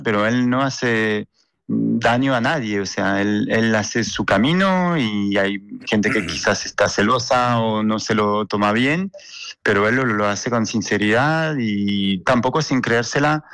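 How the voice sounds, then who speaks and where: A man's voice: lowish voice, measured pace, fairly bright tone, dry recording, studio quality. A man in his forties, a sports journalist from France with a mixed French and Argentine accent, answering interview questions with many fillers and repeats. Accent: French and Argentine mix.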